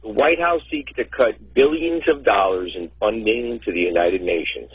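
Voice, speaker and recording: A man's voice: lowish voice, lively intonation, normal speed, husky, dry recording. A man calling in to a radio show over the phone, chatting in a plain, conversational way. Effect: phone line. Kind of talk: casual call-in chat. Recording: tinny phone line.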